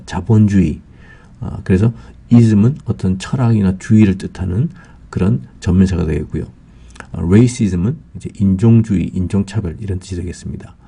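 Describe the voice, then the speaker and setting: A man teaching English vocabulary in a slow, patient lecture, Korean his first language, pausing often with fillers. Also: low-pitched, vocal fry, mellow, breathy edge.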